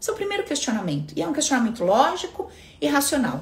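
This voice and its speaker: A woman talks in an animated tone, her pitch swinging very widely. Noticeable background noise and audible room echo fill the recording. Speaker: self-development coach. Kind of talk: live stream talk. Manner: fast.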